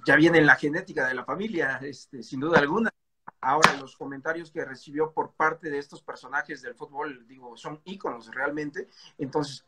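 Male host, tense bright tone with a raspy edge. Polite, long-winded questions. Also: on the high side. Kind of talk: casual interview.

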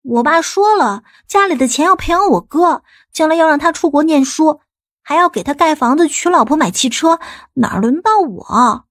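A woman's voice: high voice, expressive, moderate pace, dry recording, clean studio sound. A woman voicing a teenage village girl in an audiobook, an eager aspiring singer with a girlish manner. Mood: aggrieved.

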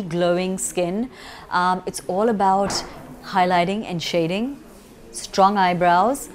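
A woman's voice: medium pitch, a little hiss or hum. A woman in her forties, a makeup artist and salon owner, answering interview questions in a chatty way with frequent ums and restarts, recorded on a lapel mic in an indoor studio.

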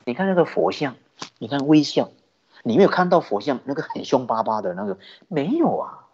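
Buddhist teacher, male, animated sermon delivery, breathy husky tone, muffled low-fi recording. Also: fairly quick. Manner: lively storytelling, rhetorical questions, chuckling. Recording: dull lo-fi recording.

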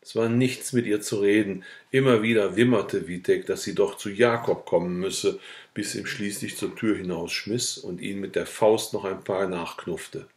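Male audiobook reader, fairly low voice, steady and calm narration of a classic novel. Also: normal speed. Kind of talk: reading a classic novel aloud.

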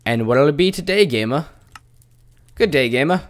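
A man's voice: on the high side, animated, moderate pace, natural voice. A man putting on a voice for a cheery fantasy tavern keeper in a video game, greeting customers in a hearty, sing-song way. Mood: welcoming.

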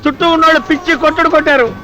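Film comedy: a grumbling, scolding friend; high, rapid delivery. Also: male voice, fairly even intonation, music in the background. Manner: irritable, scolding. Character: grumbling beaten-up man, testy friend.

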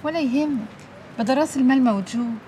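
An actress playing a loyal young friend who teases and consoles, with an Egyptian accent. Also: female voice, high voice, fast talker, warm tone, a little hiss or hum, close to an everyday voice. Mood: consoling. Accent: Egyptian Arabic. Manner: teasing, consoling. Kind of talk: TV drama acting.

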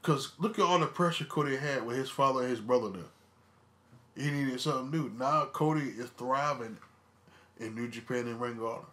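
A man's voice: mid-range voice, brisk, pushed and bright. A man co-hosting a casual wrestling podcast, blunt and profane, stressing his opinions by repeating words. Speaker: podcast co-host.

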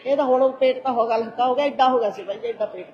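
A woman, a patient's relative, who explains her family's troubles in a rapid, pleading way. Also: a little high, lo-fi sound. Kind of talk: casual conversation.

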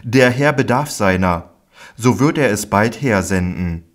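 Male reader voicing a commanding teacher figure for an audiobook Bible: lowish, calm, solemn. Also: unhurried.

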